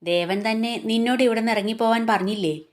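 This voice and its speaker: A woman's voice: fairly high pitch, a little fast, natural voice. Woman narrator doing a taunting young office woman in a storybook, spiteful and mocking.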